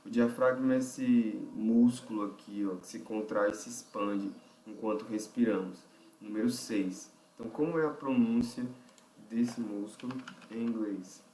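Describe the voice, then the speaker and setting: A man's voice: lowish voice, steady tone, measured pace, dark tone, slight background noise. Brazilian man teaching, roomy and distant. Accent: Brazilian Portuguese. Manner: explains step by step, checks himself aloud, frequent "né?" and "ok?". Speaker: vocal technique teacher. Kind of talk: online lesson explanation.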